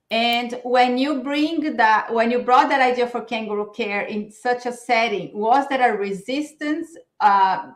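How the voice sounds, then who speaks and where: A woman host asks thoughtful questions, sometimes pausing to find the right words. Her voice has a noticeable echo from the room around her, and she speaks over a video call. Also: a little high. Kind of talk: interview questions.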